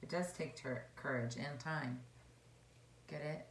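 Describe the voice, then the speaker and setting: A woman with a low, slightly hoarse voice reads tarot cards in a relaxed, wandering way, thinking aloud between cards. Her voice bounces around an echoey room with a faint hum behind it. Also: measured pace. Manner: chatty and meandering, musing aloud. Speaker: tarot reader. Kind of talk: casual tarot card reading.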